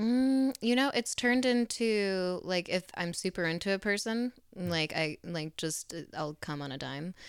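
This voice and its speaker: A woman with an ordinary speaking voice and a medium pitch talks at a fairly slow pace with lively intonation and hardly any pauses, in a very clean recording with a silent background. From US Southwest, Arizona. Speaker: adult performer. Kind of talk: casual chat.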